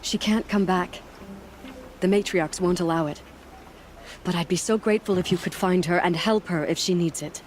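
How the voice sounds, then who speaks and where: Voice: medium pitch, normal speed, faint music behind, natural voice. A performer playing an embittered, grieving tribal villager in a video game, speaking earnestly and emotionally, pleading. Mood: bitter, pleading. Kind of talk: video game dialogue acting.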